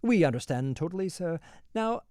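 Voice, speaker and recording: A man putting on a cheery, long-winded prison warder, higher voice, bouncing lively pitch, sir after every phrase, dry close sound. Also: normal speed, dry recording. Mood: polite. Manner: rambling, deferential, says "sir" constantly. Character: cheerful chatty male prison warder, polite.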